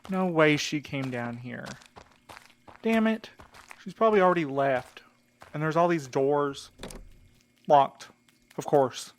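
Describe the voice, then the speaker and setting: A man's voice: on the high side, slow pace, pauses often. An actor playing a hot-tempered, heartbroken man in an audio drama, blunt and exasperated in his delivery. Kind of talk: scripted audio drama acting.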